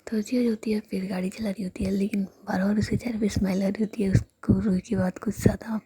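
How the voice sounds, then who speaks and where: A woman narrating a romantic story in a soft, steady whisper. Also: medium pitch, quick pace, slight background noise.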